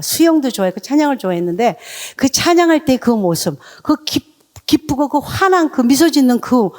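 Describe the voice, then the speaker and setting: At a church revival, a middle-aged deaconess shares her story as a testimony, reaching out to the congregation. Her voice sits on the high side with a darkish tone, and she tells it emotionally while leading the congregation in reading.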